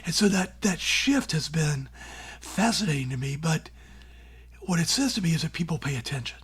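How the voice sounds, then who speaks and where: A middle-aged man who hosts a radio show, answering interview questions in a breathy, raspy, near-whispered voice, earnest and plainspoken with casual fillers. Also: fairly high pitch, animated, normal speed, fairly bright tone. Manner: earnest and plainspoken, with many "you know" and "like" fillers. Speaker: radio show host and former newspaper columnist.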